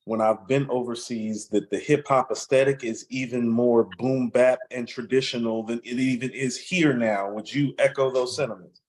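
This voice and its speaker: Brief: male interview host, mid-pitched, relaxed and conversational, rambles a bit into his questions. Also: normal speed, poor audio. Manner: conversational, winding questions with "you know" fillers. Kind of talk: casual interview talk.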